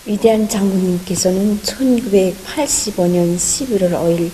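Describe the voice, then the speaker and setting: A woman's voice: mid-range voice, normal speed, dark tone, a little hiss or hum, poor audio. A woman with a North Korean accent recounting earnestly and reverently.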